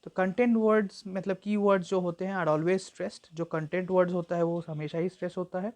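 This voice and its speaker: A young woman tutor giving an exam-prep lecture, explaining at length with frequent fillers and slowing down to read example sentences aloud. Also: on the low side, fairly even intonation, darkish tone. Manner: reads English examples slowly and deliberately. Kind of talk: exam-prep lecture mixing Hindi and English.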